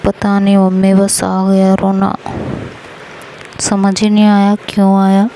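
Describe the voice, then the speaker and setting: A woman storyteller voicing a tearful, gentle young daughter-in-law who keeps apologizing. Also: mid-range voice, monotone, slow, slight background noise, rough recording. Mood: subdued.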